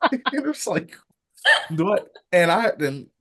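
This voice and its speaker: A man hosting a podcast interview, telling stories in a lively, laughing way. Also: sits high, takes it slowly. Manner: animated, laughing storyteller. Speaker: podcast host. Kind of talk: casual interview chat.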